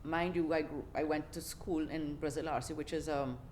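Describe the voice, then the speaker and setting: A woman's voice: deep voice, steady tone, normal speed, a little mellow, slight background noise. A middle-aged woman with a Trinidadian accent, telling her life story in a casual podcast interview, chatty, with frequent laughs and restarts. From Trinidad and Tobago. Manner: chatty, laughs often, many fillers and restarts. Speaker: podcast guest.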